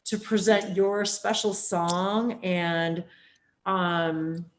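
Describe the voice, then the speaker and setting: A woman hosting a spiritual interview, talking in a rambling, animated way with plenty of fillers. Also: lowish voice, extremely slow. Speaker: host. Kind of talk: casual spiritual interview chat.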